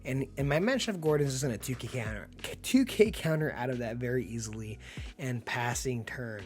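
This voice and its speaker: His voice a little hoarse as he recovers from being ill, a man calls a card game with laid-back cheer and plenty of laughter. He talks a little fast with lively intonation, his mid-range tone a little mellow.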